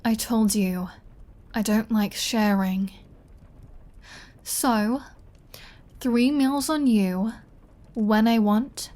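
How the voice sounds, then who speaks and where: A woman's voice: a little high, darkish tone. A woman voicing a flirty, possessive female vampire in an intimate ASMR roleplay, with a teasing, playfully threatening manner. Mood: teasing, commanding.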